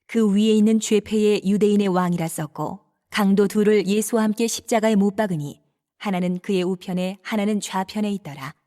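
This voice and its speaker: Woman narrator reading scripture, measured. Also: medium pitch, mellow.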